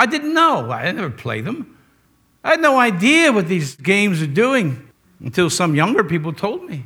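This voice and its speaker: A man projects a raised voice at a high pitch, with very wide pitch swings. His tone is bright and sharp, and his pace is moderate. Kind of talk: sermon, preacher in full flow, fervent exhortation. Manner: impassioned, urgent, pleading, rising with emphasis.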